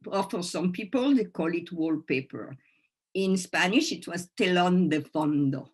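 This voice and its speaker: Female workshop presenter, native French with French accent, slightly low pitch, very slow halting delivery, informal teaching style. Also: animated. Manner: halting, searching for words in a second language. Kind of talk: informal teaching talk to a group.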